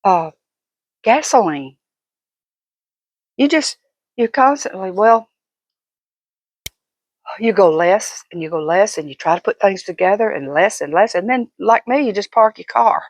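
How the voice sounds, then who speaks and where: Slow-talking older woman, folksy and fussing. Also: medium pitch, lively intonation, no echo. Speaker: vlogger. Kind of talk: casual opinionated monologue.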